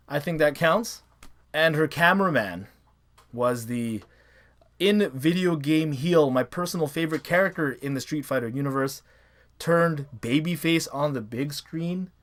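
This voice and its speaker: A man's voice: fairly high pitch, a little hiss or hum. A man hosting a casual movie review vlog, talking enthusiastically and rambling a little. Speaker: host.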